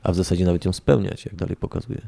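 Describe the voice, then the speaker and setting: A man in a casual religious discussion, setting up topics haltingly with fillers and checking tag questions. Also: low-pitched, vocal fry, mellow.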